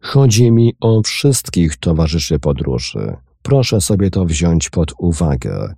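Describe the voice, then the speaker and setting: A man voicing a cool, bold gentleman adventurer who speaks calmly and firmly in a storybook reading. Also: low voice, a little slow, vocal fry, husky, no echo, studio quality, full character voice. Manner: calm, firm, commanding.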